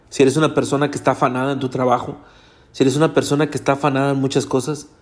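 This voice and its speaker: A man's voice: mid-range voice, a little mellow. A Hispanic man, a pastor, preaching an earnest sermon straight to his congregation. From Latin America. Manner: earnest, direct address to congregation.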